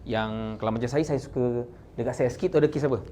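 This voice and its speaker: At a medium pitch and quick pace, a Malaysian-accented man trains insurance agents in sales, with slight background noise. He blends English terms into Malay, puts lively stress on words, and checks in often with "kan?"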